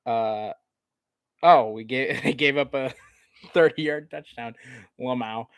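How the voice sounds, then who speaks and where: A man's voice: medium pitch, slow pace, clear, resonant tone, no echo, clean studio sound. A man doing live play-by-play basketball commentary from his room, slipping into informal, conversational asides with viewers. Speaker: sports livestream play-by-play commentator.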